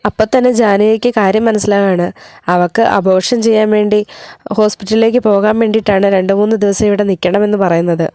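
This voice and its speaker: Mellow-voiced woman telling a story. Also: medium pitch, steady tone, quick pace, no echo, studio quality. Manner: conversational, chatty asides. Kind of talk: serial story narration.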